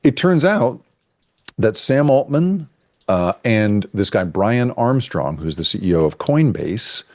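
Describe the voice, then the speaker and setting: A man with a low voice tells a story as a guest on a casual interview show. He talks in an animated way, breaking off into restarts and fillers. The sound is dry and close, with no room around it. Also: slow pace, no echo. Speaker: guest journalist.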